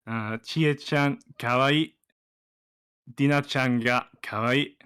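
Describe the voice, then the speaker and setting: A man speaking as a student in an online class, reading and translating in a tentative, halting way. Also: mid-range voice, fairly even intonation, fairly bright tone, smooth.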